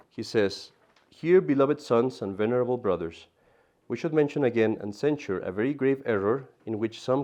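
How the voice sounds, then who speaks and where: With a mid-range voice, a man teaches an adult catechism class in an animated way. He often repeats himself and turns aside to address the class.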